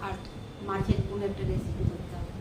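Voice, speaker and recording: A woman's voice: medium pitch, level tone, quick pace. A middle-aged woman giving brief matter-of-fact answers while cooking at home. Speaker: vlogger's mother, cooking. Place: home kitchen. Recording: echoey, distant, loud kitchen noise.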